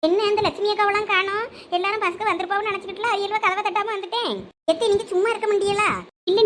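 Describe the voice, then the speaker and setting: Sharp-tongued village woman, acted by a woman, very high and fast, light hiss behind.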